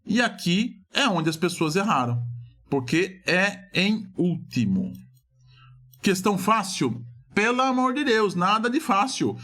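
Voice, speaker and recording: A middle-aged Brazilian man leads an exam review in a high, lively voice. He swings his pitch widely and leans hard on key words. He keeps asking questions and then answering them himself. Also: a little slow. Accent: Brazilian Portuguese. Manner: animated, emphatic, often asks and answers his own questions. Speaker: exam prep teacher.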